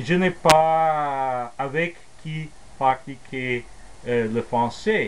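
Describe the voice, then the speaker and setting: Speaking at a very slow pace, a man talks with an American accent. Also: quiet background. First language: English (speaking French). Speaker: Spanish teacher, language learner. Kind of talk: casual vlog talk in learned language. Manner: halting, many fillers and repetitions.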